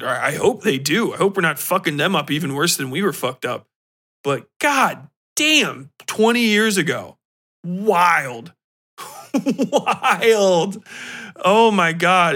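A man in his thirties talking casually as a podcast host, ranting and reminiscing in a profane, slangy, animated way. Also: sits high. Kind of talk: casual solo rant, reminiscing.

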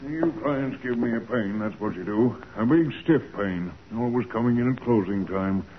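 A man's voice: medium pitch, normal speed, natural voice. An actor playing a fussy, querulous, eccentric male coin dealer who mutters and repeats himself, in a 1940s radio drama. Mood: grumbling. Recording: noisy, narrow-band old radio recording.

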